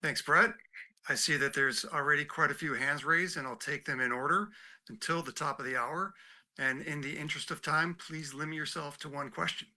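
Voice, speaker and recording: A man's voice: on the high side, moderate pace, bright, forceful tone. A man moderating an earnings call, giving procedural instructions for the question session.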